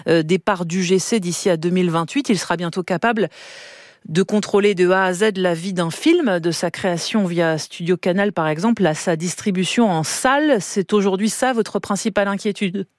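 Brisk woman radio host, dry sound. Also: fairly low pitch, no room sound. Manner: brisk, scripted intro then direct questions. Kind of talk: radio interview.

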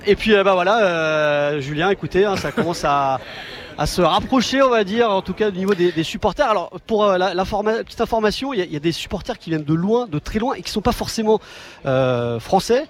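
A man's voice: high voice, expressive, brisk. A man reporting live for the news from outdoors on a city street, talking with many fillers and restarts. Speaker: field reporter.

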